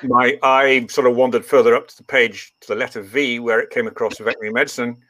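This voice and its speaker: An older man raised in East Africa, whose first language is Swahili, tells his story in English as a veterinarian guest in a relaxed interview, rambling with ums and restarts. His mid-range voice is steady, fast, pushed and bright, and the recording is dry.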